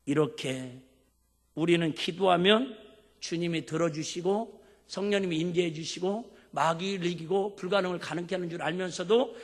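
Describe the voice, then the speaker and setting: A man's voice: high-pitched, normal speed. A male pastor preaching a sermon, emphatic and asking the congregation questions. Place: church sanctuary. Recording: long hall reverb.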